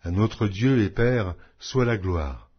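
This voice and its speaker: A Bible narrator reads scripture in a solemn, declamatory way, his husky voice swinging widely in pitch with lively intonation. He phrases each line slowly and deliberately, and the lo-fi recording sounds dull and muffled.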